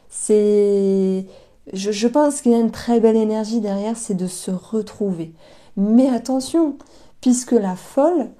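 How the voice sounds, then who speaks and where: A woman's voice: mid-range voice, warm tone. A woman giving a casual tarot reading to camera. She talks in a chatty, hesitant way, thinking aloud and speaking straight to her viewers. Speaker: tarot card reader.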